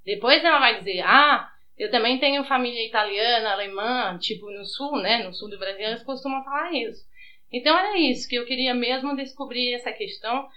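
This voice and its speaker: A woman from France who grew up on the outskirts of Paris tells her life story as a guest in an informal interview, explaining things casually in a Brazilian Portuguese accent. Her voice is a little high and fairly quick, with the highs cut off.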